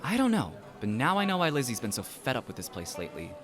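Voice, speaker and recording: A man's voice: mid-range voice, huge pitch swings, fast, music in the background. A man playing a blunt, laid-back diner customer in a casual audio drama. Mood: wry. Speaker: podcast drama performer.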